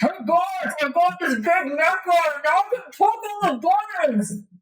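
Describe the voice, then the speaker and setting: The voice is a put-on character voice. It sits at an extremely high pitch and moves at a moderate pace. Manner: playful.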